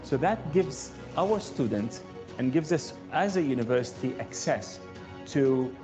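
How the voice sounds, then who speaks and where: A man speaking for a university in a promotional interview, formal and deliberate. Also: medium pitch, lively intonation. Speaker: university representative. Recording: dull lo-fi audio with music bed. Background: background music.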